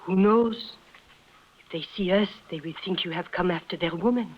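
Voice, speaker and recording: An actress in a 1950s radio drama plays a bold, mysterious young woman who leads the way, speaking in formal, clipped, commanding phrases in a hushed, intense mood. Her voice is on the low side, husky, at a moderate pace. The recording is a muffled old 1950s radio broadcast.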